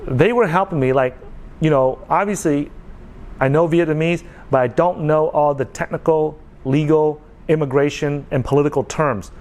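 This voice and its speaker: With a fairly high, slightly mellow voice at a moderate pace, this US man in his forties chats casually to his viewers. He comes across as earnest and repeats himself, often saying "okay" to check in.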